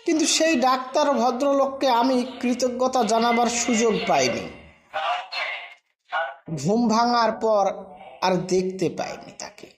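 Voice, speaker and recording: A woman narrating a scripted first-person short story in a measured, dramatic reading with pauses. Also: fairly high pitch, lively intonation, noisy background.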